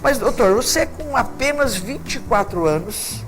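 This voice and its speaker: A man's voice: extremely high pitch, animated, measured pace, fairly bright tone, low-quality recording. A man, hosting a TV studio interview in an effusive, complimentary, chatty way. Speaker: TV talk show host. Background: music.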